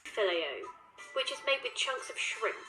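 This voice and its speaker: A woman's voice: a little high, expressive, moderate pace, bright, forceful tone. Woman, food review narration, enthusiastic, echoey, music behind. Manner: enthusiastic tasting commentary. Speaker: food video presenter.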